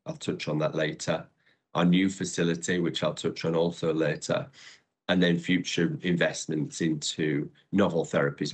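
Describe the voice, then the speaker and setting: Low-voiced, husky businessman presenting results. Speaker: chief executive presenting quarterly results. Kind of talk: earnings call presentation.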